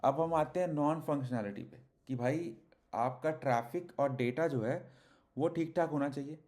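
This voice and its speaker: A man's voice: a little high, normal speed, darkish tone. Chatty man explaining tech lessons. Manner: chatty, addresses viewers as bhai, asks rhetorical checks. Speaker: tech tutor. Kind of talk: casual Hinglish tech lesson.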